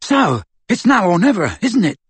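A man's voice: high voice, big pitch swings, normal speed, husky, dry recording, voice pushed up, heavily acted. A man voicing a teenage boy in an audiobook story, a loyal friend with a blunt, earnest manner. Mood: dazed, earnest.

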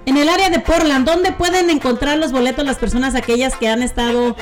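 A woman's voice: high voice, fairly even intonation, a little fast, music in the background. A woman hosting a radio show, interviewing a guest in a friendly, encouraging way. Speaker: radio host.

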